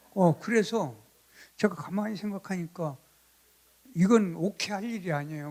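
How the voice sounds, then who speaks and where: The speaker has an animated tone. The pace is fairly quick, with ordinary pitch variation. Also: man. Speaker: novelist, guest lecturer. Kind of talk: lecture. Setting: stage with audience, hotel hall. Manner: animated storytelling.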